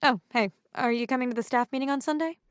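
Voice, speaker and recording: A teasing young woman played by an actress, her voice on the high side and recorded very dry. She is chatty and expressive, like a work friend in an audio drama. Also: quick pace, dry recording, natural voice. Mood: grumbling, chatty. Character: chatty, teasing female bookstore coworker and friend.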